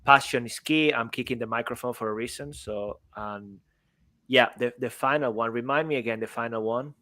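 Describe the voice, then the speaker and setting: A man co-hosting a podcast, animated and quick to laugh, tripping over his words. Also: medium pitch. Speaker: podcast co-host. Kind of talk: casual podcast chat.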